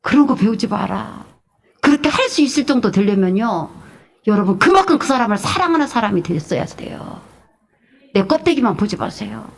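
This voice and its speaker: Animated woman pastor preaching a sermon. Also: medium pitch, moderate pace, vocal fry. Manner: animated, shifts between shouting and hushed asides.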